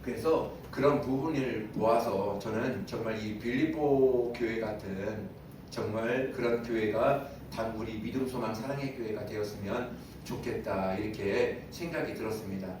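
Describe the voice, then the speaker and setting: A man's voice: fairly low pitch, moderate pace, background noise. A male pastor giving a Sunday sermon in a conversational way, asking his congregation questions and chuckling now and then. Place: church sanctuary. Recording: very echoey room, voice from a distance.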